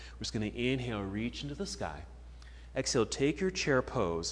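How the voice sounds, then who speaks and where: Calm in tone, a man speaks with vocal fry. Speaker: yoga instructor. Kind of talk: guided yoga class instruction. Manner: brisk, cueing poses in rhythm with breath; calm, encouraging. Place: gym.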